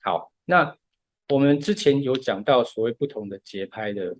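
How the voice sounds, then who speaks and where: A man's voice: medium pitch, moderate pace. A man, patiently explaining music step by step in a casual podcast chat.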